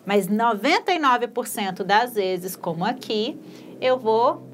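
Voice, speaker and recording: In a recorded video lesson, a Brazilian woman teaches English, spelling sentences out slowly one word at a time and offering relaxed, encouraging explanations. She has a Brazilian Portuguese accent and a slightly high, somewhat bright voice, and there's a faint hiss or hum.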